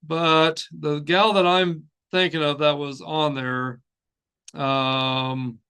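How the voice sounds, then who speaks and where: A man hosting a music news show, speaking in a casual, off-the-cuff way with halting, rambling delivery and repeated phrases. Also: a little high, level tone, bright, forceful tone, smooth. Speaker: host of a heavy metal news show.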